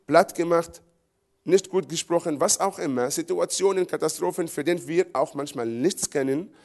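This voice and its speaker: A man's voice: a little high, a little mellow. A middle-aged man from Israel, preaching a sermon emphatically in repeated phrases. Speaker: pastor.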